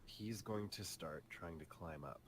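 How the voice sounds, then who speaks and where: A man playing a tabletop roleplaying game, describing his character's actions in the third person with deliberate phrasing. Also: deep voice, fairly bright tone. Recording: clear background noise on mic.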